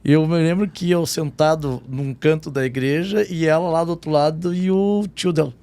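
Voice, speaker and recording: A man's voice: fairly high pitch, steady tone, normal speed, vocal fry, mellow. A man who was born in Jordan and grew up in southern Brazil, hosting a podcast interview as a law professor and chatting casually. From born in Jordan, raised in Rio Grande do Sul.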